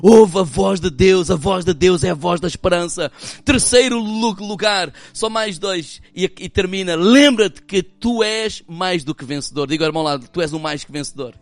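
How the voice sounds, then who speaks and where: A man with a European Portuguese accent preaching a sermon as pastor, swinging between impassioned loud passages and hushed, quiet ones. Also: sits high, moderate pace, no room sound.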